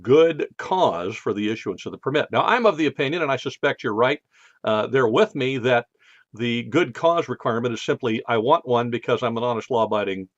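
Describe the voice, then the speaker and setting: A man's voice: mid-range voice, brisk, dry recording, muffled recording. An American man hosting a podcast in a casual monologue, his speech slightly slurred by a numb mouth after dental work. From United States. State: left side of face numb from dental visit. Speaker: podcast host.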